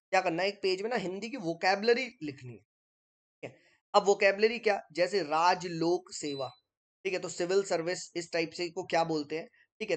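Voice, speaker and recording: A man teaching an informal online exam-prep lesson, explaining step by step while writing on screen and checking in with listeners. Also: high voice. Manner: chatty, keeps checking in with listeners.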